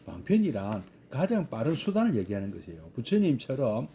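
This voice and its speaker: A man's voice: mid-range voice, wildly swooping pitch, brisk, dark tone, slightly rough. A man, a Buddhist monk, giving a scripture study lecture with many hesitant fillers and rhetorical questions.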